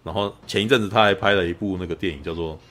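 Podcast host, male, lowish voice, rapid animated storytelling. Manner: animated storyteller, keeps asking "you know?". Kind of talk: casual film review chat.

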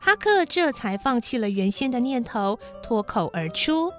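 A woman storyteller narrates a children's story in a gentle, expressive way. Her voice sits fairly high, with faint music underneath. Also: moderate pace.

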